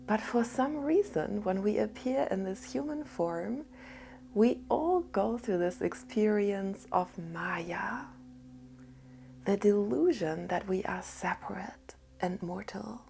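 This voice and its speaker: A woman giving a gentle spiritual talk in a soft, half-whispered, calm voice. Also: mid-range voice, creaky, slight background noise. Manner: calm and unhurried. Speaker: spiritual teacher.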